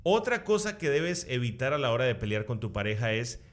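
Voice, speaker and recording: A man's voice: medium pitch, fairly quick. A man with a Latin American Spanish accent co-hosting a couples chat, joking and speaking straight to the audience. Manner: animated, jokey, addresses audience directly. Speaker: co-host of a couples show. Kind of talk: casual chat.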